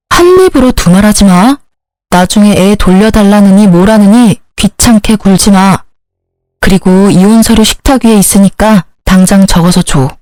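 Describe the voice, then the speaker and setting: A woman's voice: medium pitch, darkish tone, no echo, close to an everyday voice. A woman voicing a selfish young husband in a read-aloud story, arguing in an indignant, dismissive way. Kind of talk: storybook dialogue reading.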